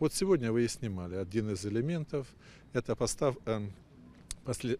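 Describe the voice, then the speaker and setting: A man talks at a fairly quick pace and a medium pitch, his tone dark and mellow. The sound is dry with no echo, with light background noise. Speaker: hospital doctor or health official. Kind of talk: interview. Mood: serious, official. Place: street. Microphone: handheld.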